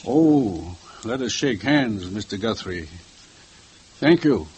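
A fussy, vengeful old jeweler. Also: male voice, on the low side, lively intonation, takes it slowly, darkish tone, husky, heavily acted. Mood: courteous, fussy. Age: older. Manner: hesitant, courteous, stammering. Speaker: jeweler, murdered girl's father. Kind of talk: 1950s radio drama acting.

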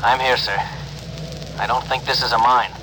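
An actor playing an earnest young male communications officer in a 1950s radio drama, quick and deferential to his captain. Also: mid-range voice, fairly even intonation, close to an everyday voice. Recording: noisy old radio broadcast.

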